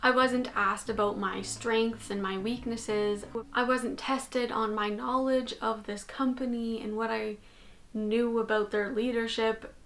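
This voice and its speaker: Soft background music accompanies a young woman from Canada vlogging in her bedroom. Her fairly high voice is a little slow, but she's chatty and animated, using her hands, with a fixed camera capturing her from desk distance.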